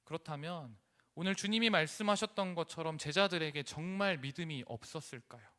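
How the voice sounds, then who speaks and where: A male pastor preaching a dramatic sermon in church, rising to loud emphasis and dropping to a hush. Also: a little high, a little fast. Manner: dramatic, swings from loud emphasis to hushed near-whisper. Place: church sanctuary.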